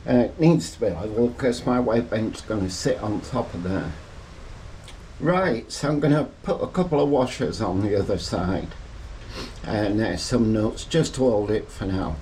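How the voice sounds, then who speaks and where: A man's voice: on the low side, lively intonation, normal speed, warm tone, a little hiss or hum, rough recording. A middle-aged man chatting wryly to camera as he does DIY jobs in his garage. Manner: wry, chatty asides between tasks. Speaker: DIY vlogger. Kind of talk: casual talk-to-camera while working. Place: garage and yard, partly outdoors.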